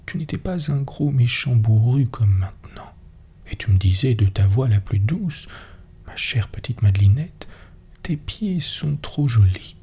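A man in a whispered role-play, voicing a tender peasant wife who pleads softly with her husband. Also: mid-range voice, breathy edge, exaggerated voice. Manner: soft whispered reading.

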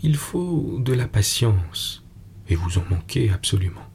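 A man reading the lines of a calm, guarded woman governess called a fairy, in a slow, low, gravelly voice. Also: slight background noise. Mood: calm, secretive. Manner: tranquil, guarded, gently firm.

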